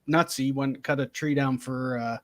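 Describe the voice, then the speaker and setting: A man's voice: medium pitch, steady tone, moderate pace. A man from Canada hosting a live-stream chat, talking in an easygoing, friendly way. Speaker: host. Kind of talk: casual chat.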